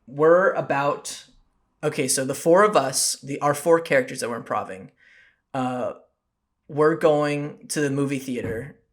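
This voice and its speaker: A man's voice: mid-range voice, a little slow. A young man co-hosting a podcast, talking in a loose, rambling, jokey way. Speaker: podcast co-host. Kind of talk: casual podcast chat.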